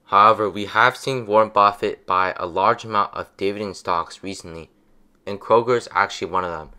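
A young adult man giving a steady, scripted voice-over that explains stock picks. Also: on the low side, fairly quick, smooth. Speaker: finance channel narrator.

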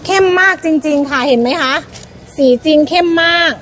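At a shop front, a high-pitched woman selling clothing on a live stream hypes her sale in a fast, casual pitch, insistently repeating phrases for emphasis. Her actual pace is moderate and her tone a bit bright. There's slight background noise, and the camera gets moved toward the outside.

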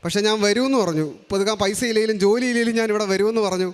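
A young man from Kerala giving an earnest, rushed personal religious testimony, often restarting his sentences. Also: high-pitched, smooth. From Kerala, India. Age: young adult. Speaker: testimony giver.

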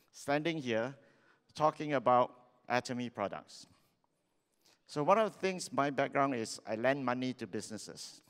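A middle-aged Singaporean man speaks into a handheld mic on a stage, his voice smooth and resonant. He chats with the crowd and throws questions at them. A long reverb trails behind each phrase. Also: mid-range voice. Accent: Singaporean English. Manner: chatty, asks the audience questions. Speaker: seminar speaker. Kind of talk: lively sales seminar talk. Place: large hall on stage.

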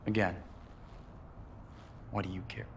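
A man's voice: sits low, flat delivery, takes it slowly, slight background noise. An actor playing a stern, guarded man standing his ground in a video game. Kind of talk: video game cutscene acting.

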